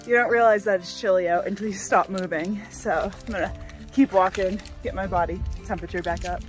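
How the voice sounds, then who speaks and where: A young woman in her twenties vlogging on a hike, filming herself at arm's length outdoors and chatting to her dog in a high sing-song voice. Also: fairly even intonation, brisk, faint music behind, low-quality recording. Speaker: hiking vlogger. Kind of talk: casual vlog with voice-over narration. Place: outdoors on a windy mountain trail. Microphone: camera held at arm's length.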